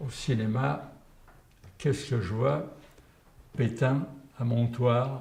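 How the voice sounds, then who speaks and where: A man speaks very slowly in a dark, mellow, somewhat breathy voice with ordinary pitch variation. Room echo is audible. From France, Paris. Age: 90s. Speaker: war veteran. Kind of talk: testimony.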